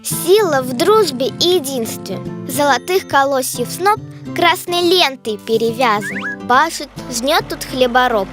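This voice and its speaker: A performer voicing a child who recites proud verse for a children's cartoon in a measured, declamatory way. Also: high voice, expressive, music in the background. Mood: proud, lyrical. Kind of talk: poetry recitation.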